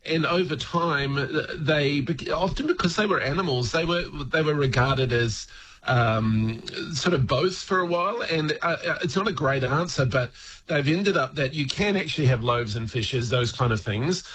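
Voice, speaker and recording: A man's voice: a little high, normal speed, fairly bright tone, a little hiss or hum, poor audio. A man, a regular word expert on a radio show, chatting casually with lots of ums, restarts and laughs. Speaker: regular language guest on radio.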